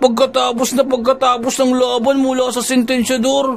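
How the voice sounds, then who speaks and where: Over music in the background, a man uses a put-on character voice at an extremely high pitch, speaking at a fairly slow pace in a monotone, flat intonation. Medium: read story. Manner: polite, respectful.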